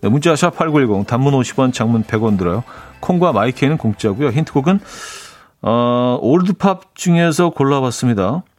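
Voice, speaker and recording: A man's voice: mid-range voice, expressive, brisk, darkish tone, dry recording, faint music behind. A man hosting a radio show in a casual, chatty way, laughing at his own jokes and reading out listener messages in a studio. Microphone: studio microphone.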